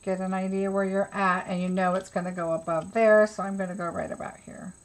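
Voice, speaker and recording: This woman runs a casual live craft session, talking her way through every little step as if partly to herself. Her voice sits at a typical mid pitch, and she speaks fairly quickly with a flat delivery.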